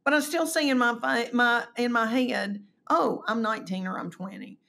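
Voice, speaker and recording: A woman in her fifties, a comedian guest on a video call, telling candid stories in an earnest, self-deprecating way that often trails off into quieter asides. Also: a little high, normal speed, creaky. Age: 50s. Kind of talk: candid conversational storytelling. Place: home room on a video call.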